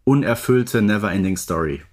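A man's voice: on the low side, animated, normal speed, darkish tone. A middle-aged man, chatting casually as a podcast co-host. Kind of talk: casual chat about audio drama episodes.

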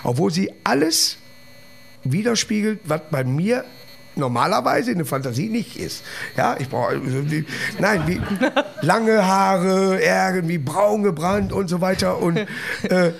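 A man's voice: high-pitched, expressive, unhurried, gravelly. A man, a comedian hosting a casual chat who rambles and jokes at his own expense. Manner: rambling, jokey, self-mocking. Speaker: podcast host and comedian.

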